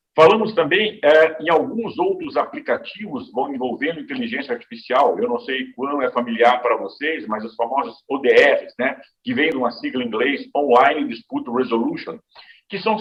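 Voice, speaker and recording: A man's voice with very wide pitch swings. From Brazil, interior of São Paulo state. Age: 60s. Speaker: lawyer, guest lecturer. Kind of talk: lecture.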